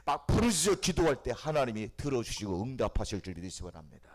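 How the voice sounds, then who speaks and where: Korean pastor preaching with wild dynamic swings. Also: male voice, medium pitch, very animated, fast. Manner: swings from loud pleading cries to hushed near-whispers; colloquial, repetitive, asks the congregation questions. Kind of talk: Sunday sermon.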